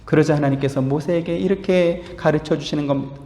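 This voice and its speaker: Male pastor, sermon delivery, fairly high voice, echoey church hall. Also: fairly even intonation, fast. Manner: rising to a loud, fervent pitch on key claims. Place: church sanctuary.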